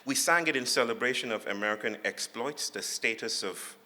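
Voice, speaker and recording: Speaking with a sharp tone and a mid-range voice, this Lagos-born Nigerian man is a guest lecturer giving a public talk before an audience in a large hall. He tells funny stories in a reflective, playful way, using measured phrases and dramatic pauses, and his Nigerian accent is clear. Long reverb fills the echoey hall.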